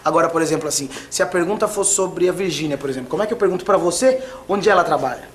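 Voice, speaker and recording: A man's voice: on the high side, rapid-fire, a little hiss or hum. A man in an educational sketch, talking in a playful back-and-forth way. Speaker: actor in an educational show. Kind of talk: scripted classroom sketch dialogue.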